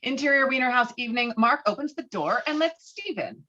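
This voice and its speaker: Animated woman reading stage directions. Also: high-pitched, a little fast, highs cut off. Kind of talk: scripted narration of a screenplay.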